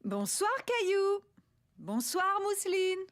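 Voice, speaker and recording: A woman's voice: very high-pitched, big pitch swings, slow, heavily acted. A woman playing an affectionate, encouraging young mother in a children's cartoon.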